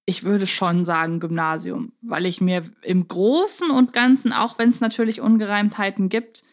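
A woman's voice: mid-range voice, moderate pace. A woman co-hosts a casual podcast, thinking aloud and reasoning step by step. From Hamburg, Germany. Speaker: podcast co-host.

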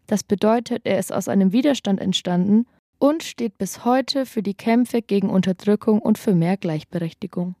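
A woman hosting a podcast, asking curious questions in a relaxed talk. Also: medium pitch, moderate pace, no echo. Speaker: podcast host. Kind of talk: interview conversation.

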